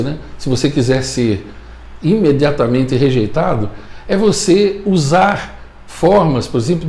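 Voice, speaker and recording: A man's voice: fairly high pitch, creaky, darkish tone, reverberant. A man with a Brazilian Portuguese accent giving an emphatic motivational talk as a communication coach, repeating his key points and often checking that listeners follow.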